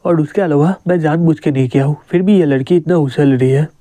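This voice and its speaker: A man voicing a cheeky teenage schoolboy with x-ray vision who is quick to talk back, in a manga recap. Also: on the high side, warm tone, dry recording, lightly acted.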